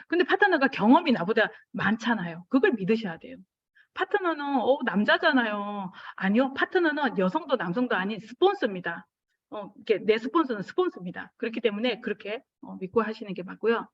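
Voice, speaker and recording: A middle-aged woman giving a lively motivational business talk, acting out little scenes of dialogue with sudden jumps in pitch. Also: fairly quick, no echo, dull audio.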